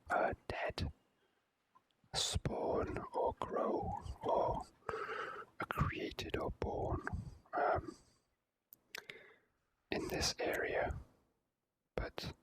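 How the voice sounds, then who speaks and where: A person whispering softly in an ASMR style while commentating on a video game, speaking in halting phrases with pauses. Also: very high voice, low-quality recording. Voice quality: soft unvoiced whisper. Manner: slow, halting delivery with pauses. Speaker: let's play host.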